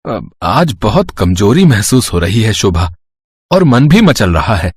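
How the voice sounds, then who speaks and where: A man's voice: lowish voice, very animated, unhurried, a little mellow, breathy edge, no echo, heavily acted. A man playing a simple, caring farmer husband in a moral story cartoon, earnest and plain-spoken. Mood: weary, grumbling.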